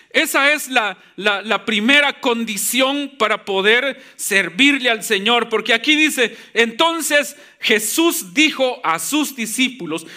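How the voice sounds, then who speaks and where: A man's voice: very high voice, sharp tone. A male pastor, preaching a sermon in church. He repeats his points and puts questions to the congregation, calling them brothers. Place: church service.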